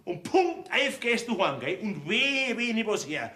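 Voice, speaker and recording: Give me a self-righteous Bavarian farmer and mayor who blusters, with a bright tone in an echoey theater. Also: male voice, high voice, big pitch swings, measured pace, exaggerated voice. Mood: bossy. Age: middle-aged. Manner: blustering, shouts orders. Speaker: stage actor. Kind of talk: folk theater comedy acting. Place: theater stage. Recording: echoey stage recording.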